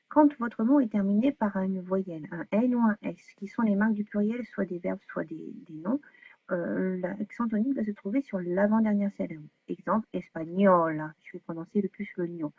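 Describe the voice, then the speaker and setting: A woman teaching pronunciation, explaining rules clearly and spelling out sounds slowly. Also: mid-range voice, no room sound. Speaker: Spanish teacher. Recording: dry, phone-like narrowband voice-over.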